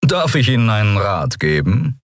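A man's voice: lowish voice, big pitch swings, normal speed, no echo, clean studio sound, soft background music, voice pushed up. Man doing a smug cold businessman. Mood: condescending. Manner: condescending, smooth.

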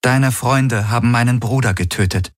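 A man's voice: mid-range voice, normal speed, dry recording, clean studio sound, pitched above the performer's own voice, lightly acted. A man voicing a stern female fleet commander who is hurt and accusing. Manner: heavy, accusing.

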